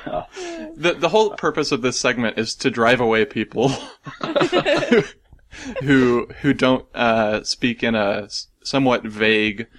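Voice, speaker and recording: A man's voice: medium pitch, sing-song, slow, a bit bright, no echo. An American man hosting a casual podcast, rambling and self-deprecating, laughing often. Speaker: podcast host.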